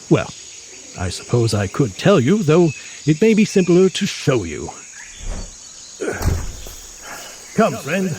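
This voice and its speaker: A man's voice: medium pitch, dark tone, a little hiss or hum. A man playing an erudite, genial mutant scientist in an audio drama, speaking in a florid, pompous, theatrical manner with bookish words. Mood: jolly, encouraging. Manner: florid, pompous, bookish vocabulary with emphatic delivery. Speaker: scientist guide.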